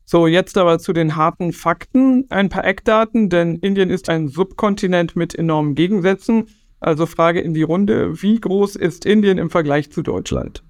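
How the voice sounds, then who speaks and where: A man hosting an interview, reading prepared questions and facts in a brisk manner. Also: high voice, dry recording, clean studio sound. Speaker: host. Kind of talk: scripted interview moderation.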